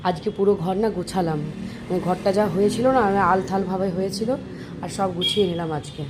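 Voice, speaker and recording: Woman, casual vlog narration, sore throat, talks fast, noisy phone audio. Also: medium pitch, fairly even intonation. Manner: chatty, addresses viewers directly. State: sore throat, speaking softly. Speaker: vlogger. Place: home and outdoors, moving around.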